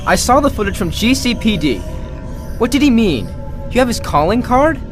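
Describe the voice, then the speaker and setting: Man as high-pitched, earnest young sidekick. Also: very animated, moderate pace, music in the background. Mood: challenging. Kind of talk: superhero radio drama acting.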